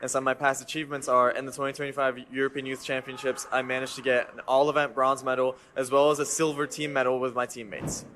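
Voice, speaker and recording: Steady teenage man from Turkey. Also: medium pitch, fast, few pauses, a little hiss or hum. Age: teens. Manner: fluent, steady. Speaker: athlete. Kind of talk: recorded self-introduction.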